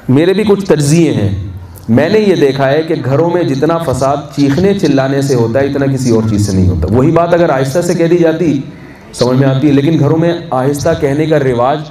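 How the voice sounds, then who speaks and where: Guy preaching, asks the crowd stuff and answers himself, mellow voice, echoey far-off mic. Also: medium pitch. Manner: conversational, asks the audience questions and answers them. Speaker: religious scholar. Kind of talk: sermon to a gathering. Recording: echoey hall from a distance, faint noise.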